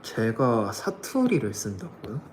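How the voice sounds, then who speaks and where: A man's voice: on the low side, wildly swooping pitch, slow pace, a little hiss or hum. A young man casually chatting with fans on a livestream, laughing often and answering comments. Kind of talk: casual live chat reading comments.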